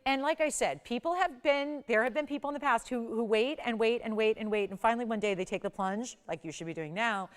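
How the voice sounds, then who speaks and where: A woman in her forties hosts a live jewelry shopping broadcast with a smooth, resonant voice pitched a touch high. She sells with eager, emphatic energy, hammering home the same points over and over. Her delivery is polished and persuasive throughout. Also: fast, few pauses. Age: 40s. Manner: enthusiastic, emphatic, repeats selling points.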